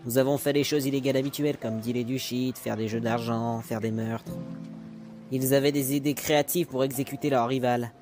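A man's voice: mid-range voice, steady tone, fairly quick, music in the background, natural voice. A man voicing a sassy, slangy, teasing gay demon who grew up in the mob, in a French fan comic dub. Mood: confiding. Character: sassy, crude, teasing gay male spider demon ex-mobster.

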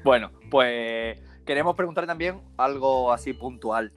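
A man co-hosting a podcast, telling anecdotes in a lively, repetitive way. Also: medium pitch, normal speed. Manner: animated storyteller, repeats himself. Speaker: podcast co-host. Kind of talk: casual podcast chat.

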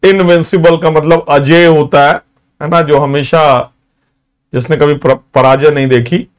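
Man, higher voice, unhurried delivery, online English lesson, Hindi-English mix, encourages students. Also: steady tone. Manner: switches between Hindi and English, with slow, drawn-out English example sentences; praises students by name and urges them to take notes. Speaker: English teacher. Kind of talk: live online vocabulary class.

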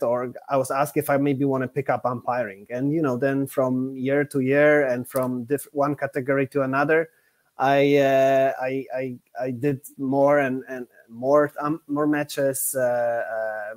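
A man, talking hesitantly with many fillers and restarts on an online panel. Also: mid-range voice. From Poland. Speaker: international hockey umpire, guest. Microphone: computer mic on a video call.

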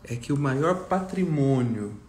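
A Brazilian man leading a guided meditation talk for a group, speaking reflectively with long pauses. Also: mid-range voice, lively intonation, a little mellow. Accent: Brazilian Portuguese. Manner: slow, pausing, reflective. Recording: roomy echo, faint music behind.

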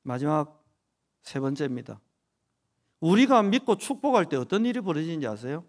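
A man in his forties preaches with a Gyeongsang accent in a church service, his voice sitting a little high for a man. He jokes and banters with the children in the pews, then swings back into fervent, loud preaching before dropping to quiet asides. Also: very animated, moderate pace. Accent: Gyeongsang Korean. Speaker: pastor. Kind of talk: sermon. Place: church sanctuary during worship.

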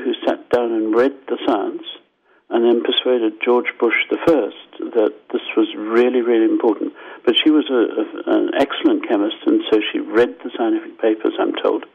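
An older man from Zimbabwe speaks as a scientist guest on a radio show, heard over a dull lo-fi phone line. His voice sits at a middling pitch, and he explains things thoughtfully, with restarts and lively asides. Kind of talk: radio interview answers.

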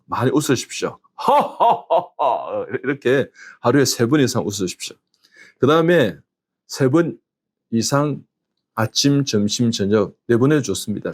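A man's voice: mid-range voice, darkish tone. A middle-aged man, a doctor, giving a health lecture and earnestly urging his listeners directly. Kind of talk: lecture to an audience.

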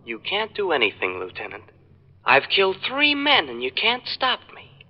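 A man's voice: high-pitched, huge pitch swings, normal speed, dull audio, full character voice. An actor playing a gloating madman killer making a menacing threat by phone in an old radio drama. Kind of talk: 1940s radio detective drama acting.

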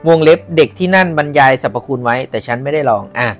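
A man's voice: medium pitch, animated, fast talker, soft background music. A man reading a travel book aloud in a casual way, breaking in with chatty asides and exclamations. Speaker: book reader and podcast host.

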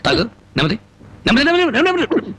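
A man's voice: extremely high pitch, huge pitch swings, rapid-fire, sharp tone, exaggerated voice. An actor playing a fiery, defiant man who confronts a village elder and mocks a kidnapped girl, in a film soundtrack with music behind. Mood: mocking. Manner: fierce, mocking speeches. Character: fiery defiant male avenger Rambabu. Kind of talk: Telugu film drama acting.

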